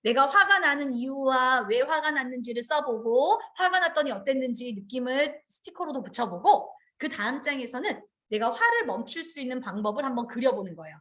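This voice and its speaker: Woman trainer, middle-aged, high lively voice, acts out classroom lines. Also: fairly quick, hardly any pauses. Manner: animated, acts out children's and teachers' lines. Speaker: early childhood education trainer. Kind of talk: online teacher training lecture.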